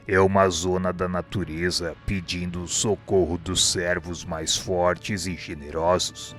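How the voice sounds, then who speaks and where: Guy acting as wise calm spirit guide, really low voice, brazilian accent, takes his time, radio drama with music under it. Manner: solemn, measured, instructive. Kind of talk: radio drama dialogue, formal and didactic.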